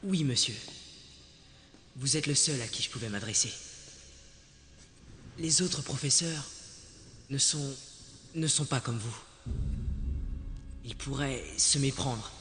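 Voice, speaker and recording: A polite but sly teen wizard student, measured, film dub, echoey with music under it. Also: male voice, mid-range voice, fairly bright tone. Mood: deferential, flattering. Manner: courteous, measured, insinuating. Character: polite, calculating teenage male wizard pupil with hidden dark intent. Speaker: student in a dubbed fantasy film. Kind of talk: dramatic film dubbing. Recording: echoey hall, clear film music behind.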